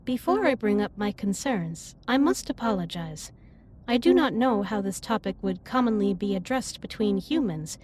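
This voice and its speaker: A woman playing a caring, earnest alien starship captain in a sci-fi roleplay audio drama, speaking in formal, precise, measured sentences. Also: medium pitch, darkish tone, slight background noise, close to an everyday voice. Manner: formal, precise, stilted wording with measured delivery. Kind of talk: scripted roleplay audio drama, intimate one-sided dialogue.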